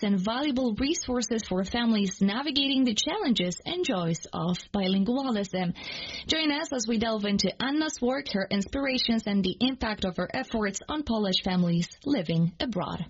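A woman presents in a scripted narration style. Her voice is a little husky, and the recording is slightly dull and lo-fi. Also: mid-range voice. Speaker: programme presenter introducing a guest.

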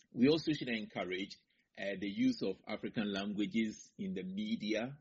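A man, a linguistics professor answering interview questions in a measured way, setting out his points one by one and closing firmly. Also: on the low side, husky. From Ghana. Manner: measured, lists points in order, firm conclusions. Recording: slightly muffled broadcast audio.

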